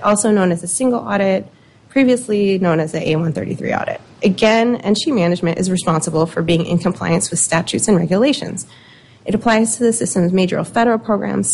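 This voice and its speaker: A woman with a slightly squeaky voice, an internal auditor giving measured, explanatory prepared remarks at a public meeting. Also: darkish tone. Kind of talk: formal committee presentation.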